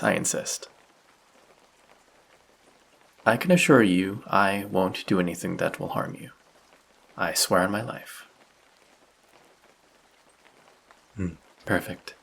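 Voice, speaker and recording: A man playing a friendly, polite vampire who speaks gently and reassuringly in an intimate roleplay audio drama, with a husky voice. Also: sits low, heavily acted. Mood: warmly inviting. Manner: polite, soft-spoken, reassuring, gently teasing. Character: friendly, courteous male vampire, gentle and caring stranger. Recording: rain sound effects behind the voice.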